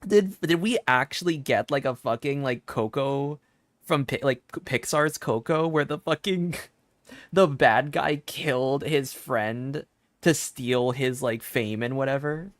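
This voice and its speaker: A gaming streamer doing casual live commentary, rambling and thinking aloud in an expressive way. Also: mid-range voice, slow, no room sound, studio quality.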